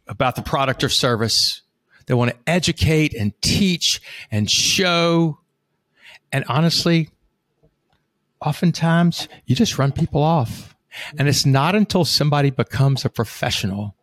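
Male speaker, folksy storyteller, swears some, dry close sound, mid pitch. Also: no echo. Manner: folksy, profane storyteller acting out quoted characters. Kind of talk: storytelling sales talk.

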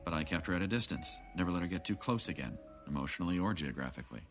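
A low-pitched, animated man races through his lines as a jaded, guarded older man bitter about his family, sounding bitter and resigned. His delivery in this naturalistic audio drama is wry and reflective, with background music underneath.

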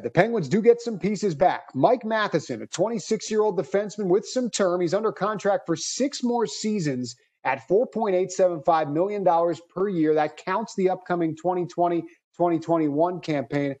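Male podcast host, slightly high voice, fluent and upbeat, reads from a script. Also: warm tone. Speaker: podcast host and hockey reporter.

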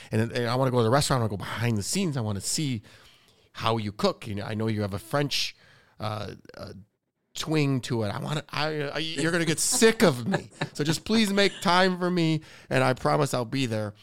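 A deep-voiced man hosting a podcast, an eager, effusive talker in casual chat. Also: expressive, brisk. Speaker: podcast host.

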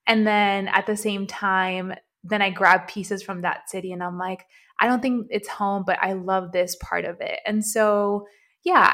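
A woman's voice: medium pitch, a bit bright. A young woman from Venezuela co-hosting a podcast, chatting casually and thinking aloud in a reflective way. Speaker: podcast co-host. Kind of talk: casual chat.

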